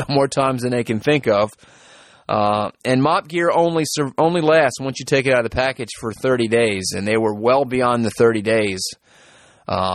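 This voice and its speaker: A man with a mid-range voice talks through a podcast introduction in a loose, halting way, full of fillers and restarts. The sound is dry and close, with no room around it. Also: mid-range voice, dry recording. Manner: hesitant, many fillers and restarts. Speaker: podcast host and interviewer. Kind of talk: casual spoken introduction, then interview questions.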